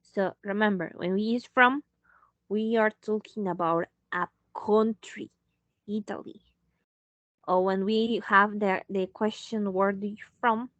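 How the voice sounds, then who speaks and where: Slow-talking woman English teacher. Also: medium pitch, fairly even intonation, fairly bright tone, no room sound, dull audio. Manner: slow, patient, switching into Spanish to explain. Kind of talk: online English lesson.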